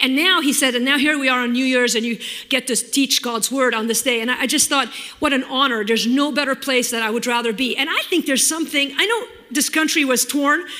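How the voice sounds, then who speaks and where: A woman with a high pitch speaks in a raised, projected voice with an intense tone at a fairly quick pace. Her loudness stays very even over noticeable background noise. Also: ordinary pitch variation. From Lebanon. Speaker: author and speaker. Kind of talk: sermon. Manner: fast; intense, high energy.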